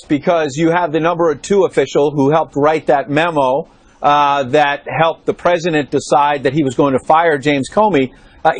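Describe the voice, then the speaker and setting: A man reporting from the White House on a cable news panel, explaining in a measured way with frequent fillers. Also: on the high side, no room sound. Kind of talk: live news panel analysis. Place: studio or remote link from Washington.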